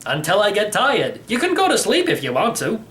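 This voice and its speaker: A man acts out an ancient, eccentric great-uncle for a children's audiobook. He is breezy and stubbornly sure of himself, with a folksy, offhand way of talking. The pitch lifts and swings about in a lively way. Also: a little fast, exaggerated voice. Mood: easygoing, folksy. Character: eccentric 111-year-old great-uncle, breezy and cocksure.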